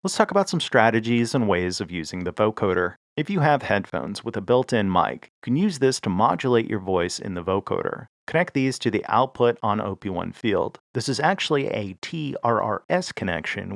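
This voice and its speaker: Lively low-voiced man. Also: moderate pace, few pauses, no room sound, studio quality. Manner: clear step-by-step instruction. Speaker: host of a music gear tutorial channel. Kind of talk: scripted instructional narration.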